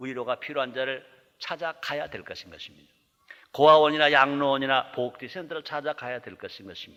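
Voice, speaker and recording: An unremarkable speaking voice: a man, fairly high in pitch, at a moderate pace. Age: 60s. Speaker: pastor. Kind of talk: sermon.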